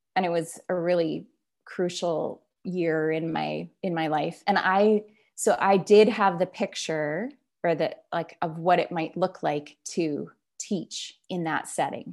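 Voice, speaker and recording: Her fairly low voice carries vocal fry and ordinary pitch variation at a fairly slow pace. The woman is recorded very cleanly, over a silent background. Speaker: lead pastor. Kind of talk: casual interview chat.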